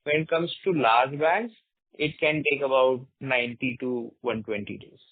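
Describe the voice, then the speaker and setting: A man answering questions as a company executive on an earnings call, explaining in a halting way. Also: medium pitch, slightly rough, dry recording. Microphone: conference phone call. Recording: narrow tinny phone line.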